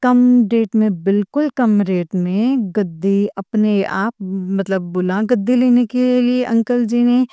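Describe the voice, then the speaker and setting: A woman's voice: medium pitch, fairly even intonation, takes it slowly, few pauses, warm tone, clear, resonant tone, dry recording, lo-fi sound. Earnest woman telling a devotional story. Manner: earnest, emotional retelling with many quoted exchanges. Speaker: devotee sharing a personal experience. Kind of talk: heartfelt personal testimony.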